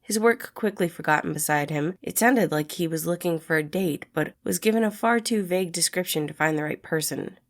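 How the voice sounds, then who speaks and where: A woman narrates a piece of written fiction. Her voice sits a little low, and she delivers the prose as a scripted storybook reading. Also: brisk, few pauses. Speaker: podfic narrator.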